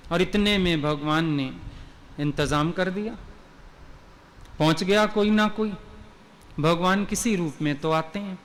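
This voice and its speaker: A man serving as spiritual teacher, giving an unhurried, conversational devotional discourse that acts out the voices he quotes. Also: sits high, slight background noise.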